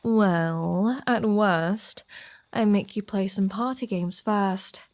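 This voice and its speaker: Slow, teasing vampire woman, acted by a woman. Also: medium pitch, a little mellow, no room sound. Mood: wry, playful. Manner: teasing, sardonic, sweary, drawling. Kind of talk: ASMR roleplay audio drama addressed to the listener.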